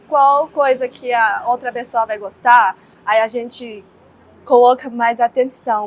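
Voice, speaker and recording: A woman's voice: a little high, a bit bright, low-quality recording. A young woman from China with a Chinese accent, answering interview questions in a hesitant way with many fillers.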